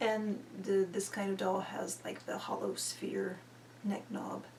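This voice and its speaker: The voice is whispering at a fairly slow pace in a relaxed tone. Noticeable background noise runs underneath. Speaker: doll hobby vlogger. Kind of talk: casual chat. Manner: soft-spoken; relaxed, hesitant with fillers.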